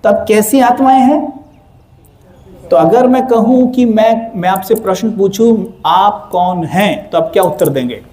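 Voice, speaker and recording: A young man giving a lively spiritual talk to a live audience, asking them to answer aloud. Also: sits high, normal speed. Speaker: spiritual speaker.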